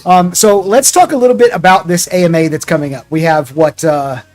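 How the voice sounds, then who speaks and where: High-pitched chatty gaming host. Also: male voice, fairly quick, faint music behind. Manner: chatty, rambling with restarts, laughs at himself. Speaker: streamer and podcast host. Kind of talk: casual gaming podcast chat.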